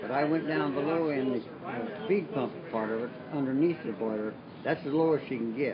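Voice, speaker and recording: A man speaks at a fairly quick pace with a fairly high pitch and lively intonation. Noticeable background noise and audible room echo are present. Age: 80s+. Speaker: war veteran. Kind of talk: interview. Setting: on location aboard a ship, live broadcast. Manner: halting.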